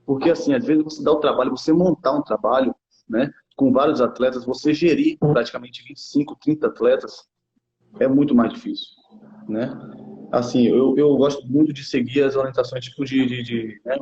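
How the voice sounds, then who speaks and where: In a muffled, lo-fi recording with a little hiss or hum, a Brazilian ex-footballer in his thirties who now coaches youth players chats about his playing days. His tone is steady and darkish at a middle pitch. He rambles casually in interview style, stopping and restarting phrases and tacking on tag questions.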